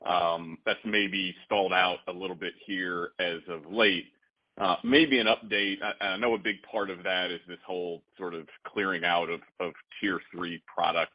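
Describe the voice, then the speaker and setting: Low, very husky male analyst. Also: steady tone, normal speed. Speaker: financial analyst. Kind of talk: asking questions on earnings call. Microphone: conference call line. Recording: dull conference call line.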